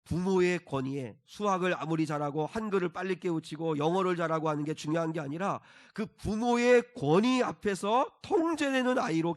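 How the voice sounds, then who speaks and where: A middle-aged pastor with a fairly high voice delivers a sermon. He builds toward emphatic peaks, then slows down to repeat the key phrases.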